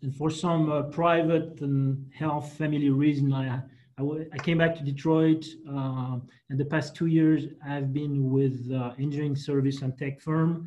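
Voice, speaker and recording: A man speaks in a monotone at a moderate pace with a French accent, his pitch fairly high for a man. His tone is dark and mellow, and somewhat breathy. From France. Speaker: business executive. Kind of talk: webinar presentation.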